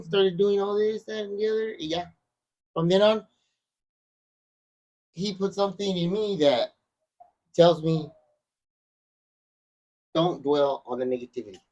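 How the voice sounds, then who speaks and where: A man in a casual podcast chat, telling his story in a halting, roundabout way and swearing now and then. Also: a little high, darkish tone, highs cut off. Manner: halting, many fillers and restarts, swears. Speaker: podcast guest.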